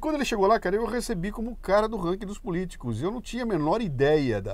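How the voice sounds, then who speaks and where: Speaking at a very fast pace, a man with a high pitch makes very wide pitch swings. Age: 60s. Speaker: podcaster and writer. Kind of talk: interview. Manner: animated.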